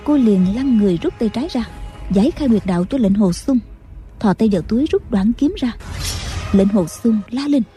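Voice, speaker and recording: Mellow woman narrating a storybook. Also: fairly high pitch, lively intonation, moderate pace. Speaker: audiobook narrator. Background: faint music.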